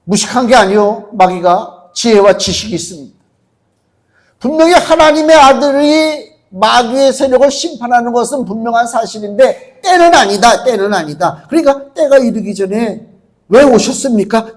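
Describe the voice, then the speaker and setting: A middle-aged man preaching a sermon as pastor, emphatic and animated, acting out quoted voices as he speaks. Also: extremely high pitch, moderate pace. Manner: emphatic preaching, acts out quotes of demons and Jesus.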